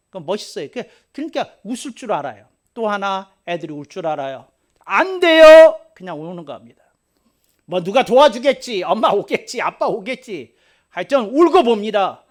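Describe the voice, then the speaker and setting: A man preaching a sermon as pastor, playful and lively, with laughs and acted asides. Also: high-pitched.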